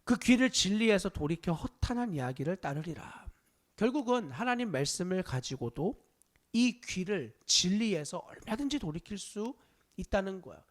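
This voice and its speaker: A male pastor preaching a Wednesday service sermon to his congregation, stressing points loudly, dropping to hushed asides, and asking rhetorical questions. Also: high voice, sing-song, moderate pace. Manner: emphatic preaching, swinging between loud stress and hushed asides. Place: church sanctuary.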